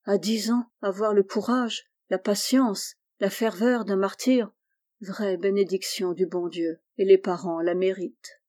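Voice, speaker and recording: A woman's voice: medium pitch, fairly even intonation, measured pace, mellow, close to an everyday voice. A woman reading the part of a tender, devout lady musing with fond regret. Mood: wistful.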